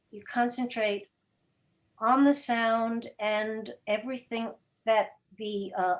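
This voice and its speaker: Woman explaining her work in an interview, careful articulate talker, medium pitch. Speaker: guest, radio drama podcast producer.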